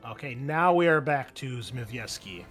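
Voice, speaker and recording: A man's voice: mid-range voice, expressive, normal speed, over music. A man speaking casually as a game master, narrating scenes and explaining rules to players.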